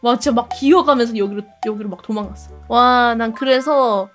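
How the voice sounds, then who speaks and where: Bubbly high-voiced young woman streamer. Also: brisk, soft background music. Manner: animated storytelling with frequent laughs and acted-out shouts. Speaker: streamer reacting to videos and reading chat. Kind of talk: casual streamed chat.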